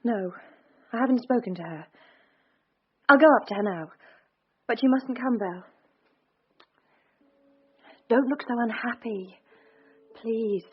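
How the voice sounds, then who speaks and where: A breathy jilted Victorian girl. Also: a little high, unhurried, long pauses. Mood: hushed. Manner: restrained, earnest, quietly breaking. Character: young Victorian woman jilted by her fiancé. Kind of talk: radio drama acting. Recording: dull lo-fi radio play recording.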